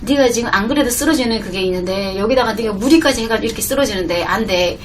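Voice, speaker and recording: A woman voicing her worried mother as she scolds and pleads with her grown daughter, speaking lower and more softly than her own voice. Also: quick pace, far from the mic, slight background noise, lightly acted. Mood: worried, firm. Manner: firm, pleading.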